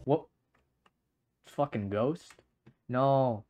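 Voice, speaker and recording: A man doing casual Minecraft gaming commentary, excitable, swearing often and stammering through restarts. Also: medium pitch, drawn-out words, music in the background. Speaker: Minecraft YouTuber.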